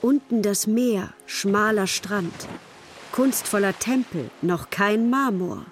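A performer reciting mythic verse in a poetic radio play, solemn, with measured and evocative phrasing. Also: mid-range voice, natural voice. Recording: studio voice over faint music. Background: faint music.

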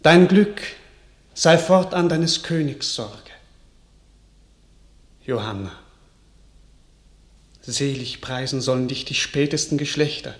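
Stately, slow-speaking king played by an actor. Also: medium pitch, natural voice. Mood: grateful. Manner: stately, declamatory. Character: grateful, gracious medieval king, lofty and ceremonious. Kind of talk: classical German radio drama verse acting.

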